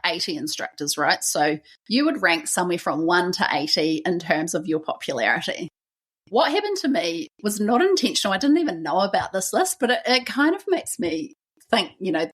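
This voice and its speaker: A woman's voice: fairly low pitch, sing-song, moderate pace, fairly bright tone, husky. A young woman from New Zealand with a New Zealand accent, hosting a podcast and telling her own story in a chatty way, often adding "like" and "right?". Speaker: podcast host.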